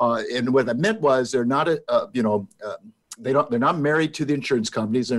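An unremarkable speaking voice, a man talks at a medium pitch with an American accent. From South Los Angeles. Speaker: financial advisor and radio show host. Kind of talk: radio talk show.

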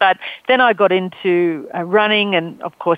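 The speaker has an Australian accent and fairly even intonation. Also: woman. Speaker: former athlete and author. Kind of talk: radio interview.

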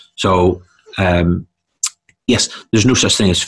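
This man's voice is very deep and low in pitch, and somewhat breathy. His intonation stays fairly even. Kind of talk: casual interview chat. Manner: conversational, halting with fillers.

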